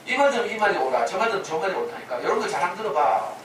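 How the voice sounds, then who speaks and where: A man's voice: high voice, sing-song, rapid-fire, a bit bright. Man lecturing in an echoey room. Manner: conversational, rhetorical questions, acts out quoted voices. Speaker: lecturer in a parenting humanities class. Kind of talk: lecture with sermon-like storytelling. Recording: echoey room from a distance, noisy.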